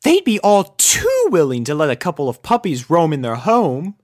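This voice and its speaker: A woman's voice: sits low, huge pitch swings, moderate pace, darkish tone, no echo, studio quality, voice pushed up, heavily acted. A refined elder-sister unicorn mare, performed by a woman reading a story. The voice is raised and lilting, prim and composed, with formal, proper phrasing and a firm edge. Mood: sympathetic.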